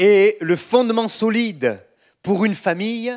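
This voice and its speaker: A man speaks with a slight southern French accent. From southern France. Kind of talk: sermon. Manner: hesitant, repeats words.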